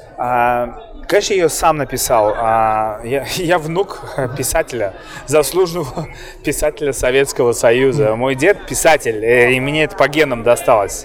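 Over noticeable background noise, a man with a fairly high pitch talks at a moderate pace with lively intonation. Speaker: bar industry figure and author. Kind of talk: interview. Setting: trade show floor.

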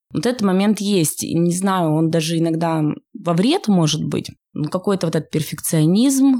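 Her voice is fairly low in pitch with a dark, mellow tone, lively intonation and a moderate pace. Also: very even loudness. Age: 30s. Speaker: home baker. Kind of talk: testimony.

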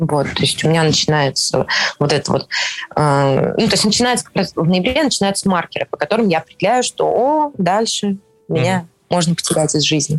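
A woman's fairly low voice at a fairly quick pace. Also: lively intonation. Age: 20s. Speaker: interviewee with bipolar disorder. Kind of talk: personal testimony interview. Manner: halting, many fillers.

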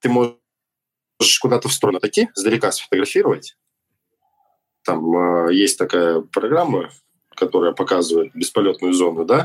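The recording has a dry, close sound with no echo. A man speaks at a moderate pace, pausing long and often. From Russian Far East (Sakhalin). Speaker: landscape and drone photographer. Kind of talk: casual chat.

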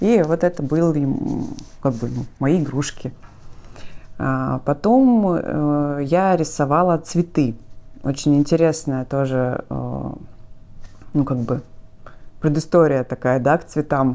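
Speaking very slowly with long, frequent pauses, a woman has a very deep, low pitch, a dark, mellow tone and ordinary pitch variation. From Rubtsovsk, Altai Krai, Russia. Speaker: florist and entrepreneur. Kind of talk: interview.

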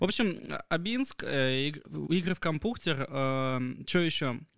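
On a very clean recording with a silent background, a man with an unremarkable speaking voice speaks at a fairly high pitch with ordinary pitch variation. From Russia, Krasnodar region (Novorossiysk, Abinsk). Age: 20s. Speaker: videographer and producer. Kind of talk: casual chat. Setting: at home during a meal.

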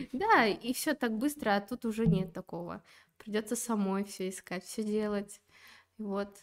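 A woman with a normal speaking voice talks at a fairly high pitch and a fairly slow pace, with ordinary pitch variation. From Kazakhstan, Almaty. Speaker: shogi player and student. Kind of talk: casual interview. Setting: live studio broadcast.

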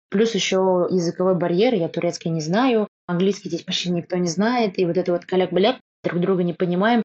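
At a fairly quick pace, a woman with a plain, everyday voice talks at medium pitch with fairly even intonation. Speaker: emigrant interviewee. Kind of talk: recorded personal story.

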